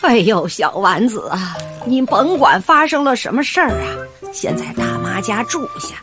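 A woman's voice: a little high, sing-song, normal speed. An actress playing a chatty, doting old grandmother with a Beijing accent in a radio drama over background music. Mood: soothing. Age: older.

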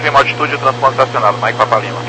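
A Brazilian man speaks as an air traffic controller over crackly, humming radio. He rattles off clipped, procedural instructions very quickly, in a mid-pitched voice with clear background noise. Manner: terse, procedural. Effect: crackly aviation radio.

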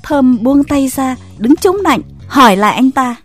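A woman narrating a story in an expressive, scripted way. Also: high voice, unhurried, no room sound, soft background music.

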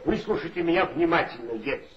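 Actor as fussy police chief, insistent, slightly high voice, dull old radio-play recording. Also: male voice, lively intonation, fast talker, a little hiss or hum, lightly acted. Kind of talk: 1960s Soviet radio play acting. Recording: dull 1960s studio recording.

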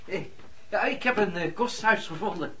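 An actor playing a sly young swindler posing as a friend in a radio drama, hesitant and evasive. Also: male voice, high voice, normal speed, sharp tone. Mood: evasive, reassuring. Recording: noisy, distant old radio play.

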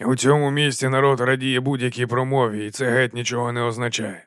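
A man's voice: mid-range voice, flat delivery, fast talker, a bit bright, no echo, clean studio sound, lightly acted. A man voicing a weary, sceptical watch captain in an audiobook. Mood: gruff. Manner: gruff, sceptical.

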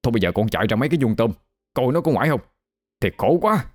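A man doing a rushed young villager. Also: on the low side, close to an everyday voice. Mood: rushed excited. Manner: rushed, excited chatter. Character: young village boy running errands, breathless.

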